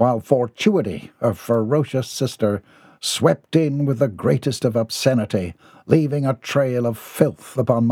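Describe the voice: The clip is plain reading aloud.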